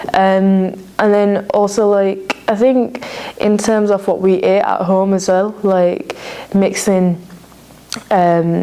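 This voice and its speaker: Noticeable background noise sits under a woman speaking at a very slow pace. Her medium-pitched voice has monotone, flat intonation. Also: very even loudness. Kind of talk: interview answer. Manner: casual, hesitant.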